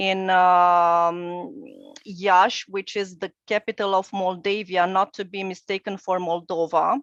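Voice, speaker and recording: Her intonation is monotone and flat. The woman takes a very slow pace. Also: dry, close sound with no echo. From northern Romania. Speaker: translator and interpreter. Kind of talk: interview. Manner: hesitant, many fillers.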